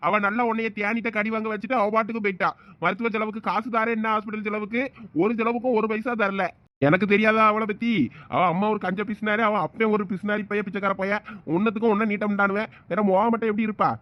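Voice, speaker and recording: A man's voice: sits high, flat delivery, fast, dry recording, lightly acted. A man voicing a blunt, scolding village boss with a Thoothukudi Tamil accent. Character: gruff older boss, scolding and stingy-minded. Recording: dull lo-fi audio.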